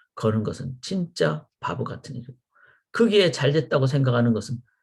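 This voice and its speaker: With a somewhat breathy voice at medium pitch, a man speaks in a lively intonation. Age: 50s. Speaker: pastor. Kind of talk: sermon.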